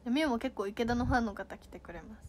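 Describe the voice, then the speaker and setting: Young woman w a high voice on a casual livestream, reading comments out loud and laughing a lot. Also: fast talker, a little hiss or hum. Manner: playful and giggly, reads comments aloud and reacts. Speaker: idol livestreamer.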